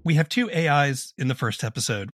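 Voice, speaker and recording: A man's voice: medium pitch, lively intonation, fairly quick, a bit bright, dry recording. A man interviewing a guest in a thoughtful, conversational podcast style.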